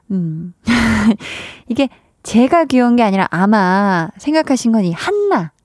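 A woman hosts a radio show, chatting easily and laughing often as she reads out listener messages. Her voice sits at a middling pitch. She is recorded on a close, dry studio mic. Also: darkish tone, no echo. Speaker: radio host.

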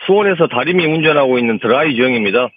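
A man's voice: mid-range voice, animated, fast talker, background noise. Man, radio caller, confident, polite, eager, tinny phone line. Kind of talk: phone-in chat.

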